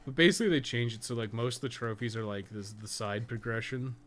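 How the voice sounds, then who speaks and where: A man's voice: medium pitch, fast talker, fairly bright tone. A man giving casual, rambling live-stream game commentary, swearing and joking with his chat as he plays.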